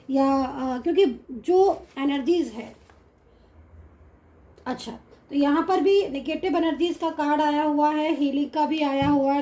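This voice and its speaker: A woman with an Indian accent giving a general tarot reading to her viewers, mixing English words into Hindi, with many pauses and reassuring asides. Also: high-pitched, warm tone. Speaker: tarot card reader.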